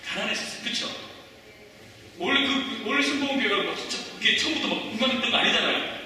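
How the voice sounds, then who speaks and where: A man in his forties preaching in a high, sharp voice that leaps up and down as he fires questions at the congregation. He is heard from a distance in a big echoey hall, with a long reverb tail and a faint hiss behind him. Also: animated, fast talker. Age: 40s. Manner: conversational, quizzing the congregation with questions. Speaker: pastor. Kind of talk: sermon. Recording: echoey hall, voice from far off the mic.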